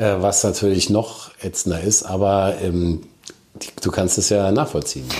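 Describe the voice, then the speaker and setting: This man has a dark, mellow tone and a fairly low pitch. He speaks at a fairly slow pace with very even loudness. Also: ordinary pitch variation. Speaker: podcast co-host, airline pilot. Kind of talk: casual chat.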